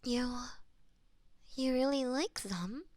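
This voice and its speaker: A woman performing a gentle audio roleplay as a florist friend, soft-spoken and a little flustered, recorded on a binaural microphone. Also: high-pitched, slow, dry recording.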